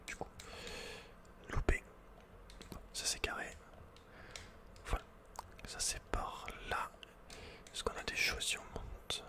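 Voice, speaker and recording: Male, fully whispered and breathy, for laid-back, slangy video game ASMR close on the mic. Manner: casual, slangy, muttering to himself. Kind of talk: whispered ASMR gameplay commentary. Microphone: close microphone.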